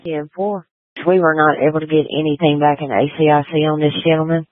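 A woman working as a county dispatcher, briskly acknowledging officers with ten-fours, heard over a two-way police radio. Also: low-pitched, flat delivery, no echo. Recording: tinny dry radio transmission.

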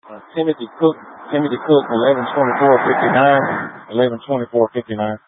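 A man's voice: mid-range voice, quick pace, slightly rough, no room sound. A man, a police officer calling dispatch by radio, giving clipped, procedural strings of plates, names and numbers. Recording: narrow, tinny police radio transmission.

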